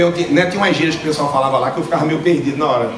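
Over noticeable background noise, a man with a northeastern Brazilian accent speaks in a high pitch. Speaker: stand-up comedian. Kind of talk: stand-up comedy. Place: stage. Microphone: handheld.

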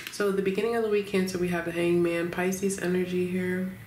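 Over light background noise and audible room echo, a woman speaks at a moderate pace with a fairly low pitch and fairly even intonation. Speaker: tarot reader. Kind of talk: tarot reading commentary. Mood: calm, reflective, occasional laughs. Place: home room.

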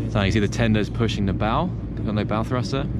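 A man at a fairly quick pace, in a dry sound with no echo, amid loud background noise. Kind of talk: casual vlog commentary. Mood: impressed, admiring. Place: boat. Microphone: phone near.

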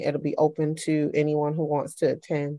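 The speech comes at a fairly slow pace, with a dry sound free of echo and a quiet background. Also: woman. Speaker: council staff member. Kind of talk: community announcements. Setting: video call. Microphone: video call.

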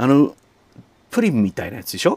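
In a relaxed tone with vocal fry, a man speaks with very wide pitch swings, and the sound is dry and close, with no echo. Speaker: rakugo storyteller hosting a solo talk stream. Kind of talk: casual solo chat. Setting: live audio stream from home. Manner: relaxed, chatty with fillers.

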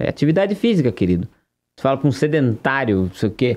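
Over a quiet background, a man talks very fast in a dark, mellow tone. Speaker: podcast host and singer. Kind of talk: casual chat.

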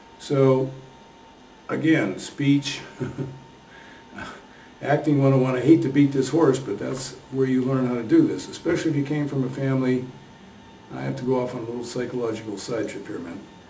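Recorded with audible room echo and light background noise, a man speaks with fairly even intonation, long, frequent pauses and big swings in loudness. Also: moderate pace. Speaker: dating coach. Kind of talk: interview answer. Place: home room.

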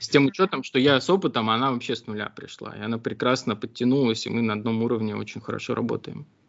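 A man speaks very fast with hardly any pauses. His pitch varies in an ordinary way, and the background is quiet. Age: 30s. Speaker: hypnotherapist; interviewee. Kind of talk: interview. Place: home room. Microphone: video call.

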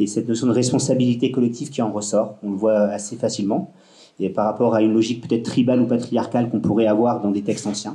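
Fairly even intonation in a man's voice of dark, mellow tone. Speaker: community official; event host or moderator. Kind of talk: closing speech. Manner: halting. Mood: warm, thankful. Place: meeting room. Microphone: handheld.

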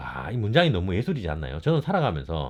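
Very deep, low pitch from a male speaker, his pitch swinging very widely. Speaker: education lecturer. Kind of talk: casual monologue to camera. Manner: hesitant, many fillers.

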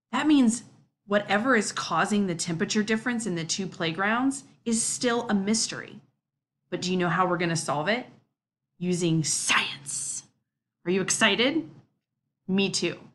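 A woman's lively intonation at a moderate pace, broken by long, frequent pauses. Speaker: teacher. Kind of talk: remote lesson for young children. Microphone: webcam.

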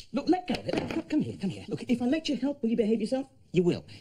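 Someone talks at a very fast clip over noticeable background noise. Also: man. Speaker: TV presenter. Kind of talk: comic children's TV monologue. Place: studio.

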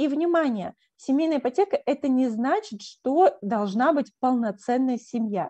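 A woman's high-pitched voice with a dark, mellow tone and very wide pitch swings, at a fairly slow pace, in a dry, close sound with no echo. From Saint Petersburg, Russia. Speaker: mortgage broker and coach. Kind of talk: professional masterclass presentation. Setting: online live stream.

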